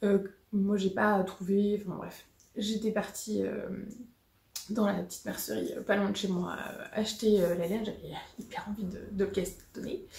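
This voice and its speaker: A woman's medium-pitched voice, fairly slow and monotone, with long, frequent pauses, audible room echo and noticeable background noise. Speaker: knitting podcaster. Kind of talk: casual monologue podcast. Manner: hesitant with many fillers.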